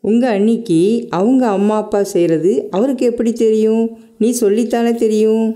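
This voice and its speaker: Middle-aged woman, actress playing a hard-up mother, pleading and practical, very dark and mellow timbre. Radio drama. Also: fairly high pitch, steady tone, moderate pace, lightly acted. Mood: strained. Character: struggling mother, practical and tired.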